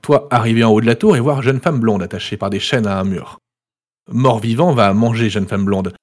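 A man's voice: lowish voice, moderate pace, a little mellow, soft background music, natural voice. A man voicing a dim, boastful male barbarian warrior who talks in broken caveman grammar.

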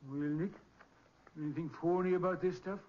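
Actor as high-voiced blustery cop, old radio. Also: male voice, fairly even intonation, normal speed, close to an everyday voice. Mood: businesslike. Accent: American. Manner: exasperated, colloquial, blustering. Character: baffled, blustery, plain-spoken male police lieutenant. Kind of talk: 1940s radio crime drama acting. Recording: muffled old 1940s radio recording.

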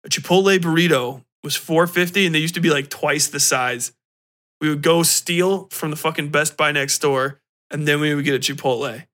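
Guy in his 30s doing a loose sweary podcast rant, kinda high bright voice, animated. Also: moderate pace. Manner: animated, profane, slangy, laughs while talking. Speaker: podcast host. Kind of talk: casual solo rant, reminiscing.

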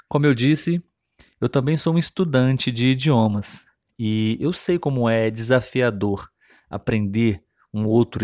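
A man's voice: mid-range voice, a little mellow, dry recording, clean studio sound. Friendly man in his thirties. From Brazil, Rio de Janeiro state. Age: 30s. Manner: clear, friendly, unhurried delivery for language learners. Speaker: podcast host. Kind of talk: scripted solo podcast monologue.

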